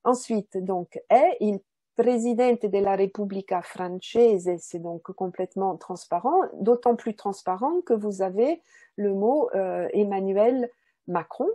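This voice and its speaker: Mellow-voiced woman lecturing. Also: medium pitch, measured pace, husky, no echo. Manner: didactic, repeats key words and checks understanding with tags. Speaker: language teaching researcher giving a lecture. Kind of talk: explanatory lecture, semi-spontaneous.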